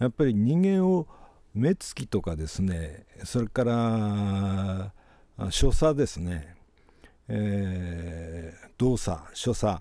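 The recording is very clean, with a silent background. A man speaks very slowly in a fairly low pitch, with a dark, mellow tone and lively intonation. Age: 70s. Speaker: writer and former journalist. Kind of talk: interview monologue. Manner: halting, with many fillers.

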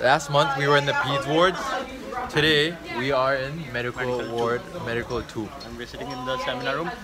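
A man speaks fairly quickly through heavy background noise. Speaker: medical student vlogger. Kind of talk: casual vlog chat. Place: hall. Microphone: phone near.

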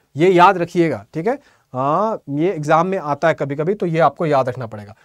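In a regional Hindi accent, a man with a high pitch speaks at a moderate pace against a quiet background. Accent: regional Hindi accent, noticeable. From Chhattisgarh, Raipur. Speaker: exam-prep teacher. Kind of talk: live online class. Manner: casual, Hindi-English mix. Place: studio.

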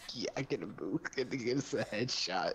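A man puts on a character voice at medium pitch over clear background noise. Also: moderate pace. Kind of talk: casual gameplay commentary. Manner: goofy.

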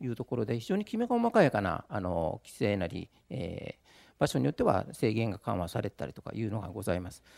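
A man talks at a moderate pace, the background quiet around him. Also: dry sound with no echo. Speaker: city transit bureau official; transport bureau official answering council questions. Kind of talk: council committee testimony. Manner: halting, many fillers. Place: meeting room. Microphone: podium.

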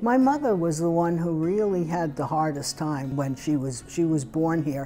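Faint music sits in the background while a woman with fairly low pitch speaks at a moderate pace with ordinary pitch variation. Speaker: interviewee. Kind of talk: interview answer, family storytelling. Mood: warm, amused. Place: home room. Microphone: lapel.

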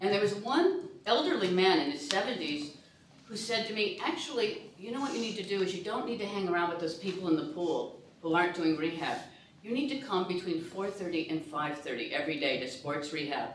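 In a room with audible echo and light background noise, a woman talks at a moderate pace. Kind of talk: conversational discussion, personal anecdote. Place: hall.

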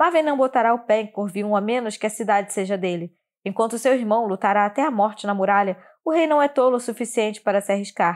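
Recorded very cleanly against a silent background, a woman with a fairly high pitch speaks intensely at a very fast pace with ordinary pitch variation. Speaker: audiobook narrator. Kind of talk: dramatic first-person audiobook narration of a fantasy novel, read aloud with tension. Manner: intense, urgent, emotionally charged delivery, clipped and breathless in action scenes.

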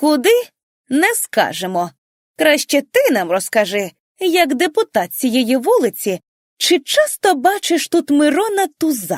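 A woman does a put-on character voice at a high pitch with very wide pitch swings, holding her loudness very even at a fairly slow pace, recorded with a dry, close sound and no echo. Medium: read story.

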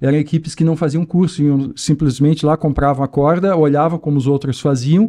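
Over a quiet background, a man speaks in a dark, mellow tone at a fairly high pitch. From Brazil. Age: 50s. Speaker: base jumper and bungee jumping instructor. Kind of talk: casual chat. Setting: studio. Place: studio. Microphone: studio mic.

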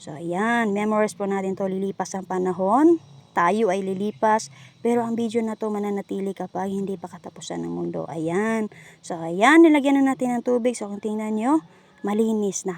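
A woman at a medium pitch and moderate pace, with ordinary pitch variation and big swings in loudness. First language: Cebuano (Bisaya) (speaking Tagalog). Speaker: vlogger. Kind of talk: casual cooking vlog. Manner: halting, many fillers.

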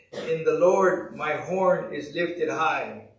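Audible room echo over a quiet background. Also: man. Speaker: preacher. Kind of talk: sermon. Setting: church. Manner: preacherly, call-and-response, repeatedly asking the congregation for 'Amen'; earnest, emphatic, rhythmic cadence with repeated phrases. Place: church. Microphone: podium.

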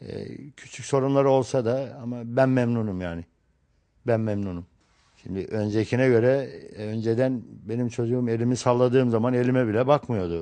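A man's voice carries a dark, mellow tone and fairly even intonation. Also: medium pitch for a man, moderate pace. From Turkey, Zonguldak Ereğli. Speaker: patient's father giving testimonial. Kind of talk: testimony. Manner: halting, many filler sounds.

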